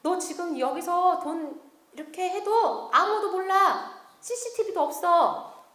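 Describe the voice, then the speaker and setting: A woman's voice: extremely high pitch, animated, takes it slowly, a bit bright, voice pushed up, full character voice. A woman voicing a tempting devil who coaxes in a sly, wheedling way, heard in an echoey hall. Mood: coaxing. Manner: coaxing, wheedling.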